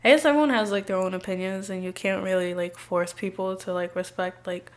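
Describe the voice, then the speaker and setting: Hesitant woman, medium pitch, chatting. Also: fairly even intonation, fairly quick. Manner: hesitant, peppered with "like". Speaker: interviewee. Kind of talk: casual interview answer.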